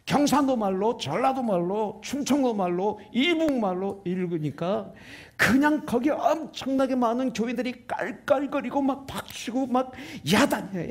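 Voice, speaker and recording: A male pastor from Korea preaching a sermon emphatically, sometimes dropping to a whisper for stress. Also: very high-pitched. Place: church sanctuary.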